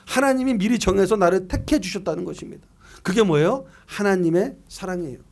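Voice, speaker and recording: A man's voice: high-pitched, brisk, a little mellow. A middle-aged man preaching a year-end sermon as pastor, reading scripture aloud and asking and answering his own questions in a conversational way.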